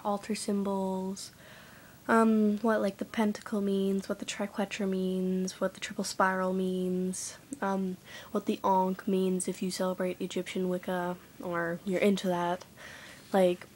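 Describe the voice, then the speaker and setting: A woman's voice: mid-range voice, darkish tone, a little hiss or hum, rough recording. A young woman vlogging at home, rambling casually with lots of fillers and often slipping into a half-whisper. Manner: chatty, rambling, many "like" fillers. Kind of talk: casual vlog chat. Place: dim room at home lit by candles.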